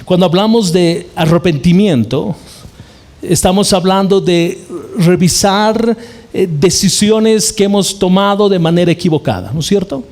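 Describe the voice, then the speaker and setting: A man's voice: high-pitched, measured pace, a little mellow. A male pastor from Bolivia preaching a sermon, telling a story and acting out short quoted exchanges.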